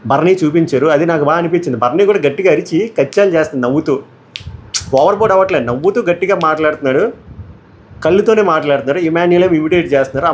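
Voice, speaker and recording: A man giving a casual, opinionated review of a reality show episode, blunt and quick, often dropping in English words. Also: a little high. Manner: blunt, rapid commentary mixing English words.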